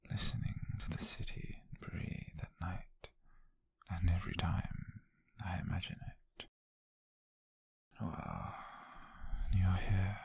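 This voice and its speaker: A man voicing a tender, flirtatious witch on a date in an ASMR roleplay, with a British accent and a soft, breathy, gravelly whisper. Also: low-pitched, dry recording, full character voice. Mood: dreamy. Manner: soft, intimate, slow and hesitant.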